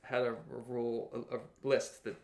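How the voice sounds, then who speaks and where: A man's voice: mid-range voice, level tone, moderate pace, creaky, a little mellow, roomy sound. A man co-hosting a podcast, telling rambling anecdotes in casual chat and laughing at his own jokes. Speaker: co-host, comic book artist.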